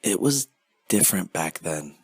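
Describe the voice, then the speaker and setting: A man playing a grave, measured superhero team commander in an amateur audio drama. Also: sits low, very animated, breathy edge, no echo, studio quality, heavily acted. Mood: weary, reflective.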